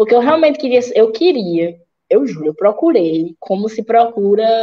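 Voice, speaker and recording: A woman with a fairly high pitch, very wide pitch swings, and a moderate pace. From Petrolina, Pernambuco, Brazil. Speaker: exam candidate who passed the military school entrance exam, former student. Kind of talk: casual interview chat, testimonial. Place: home room. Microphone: video call.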